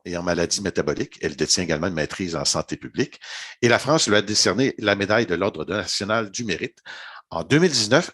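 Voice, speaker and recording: A man's voice: deep voice, fairly bright tone, no room sound, clean studio sound. A man moderating an online conference, reading speaker bios with small hesitations. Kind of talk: formal introduction.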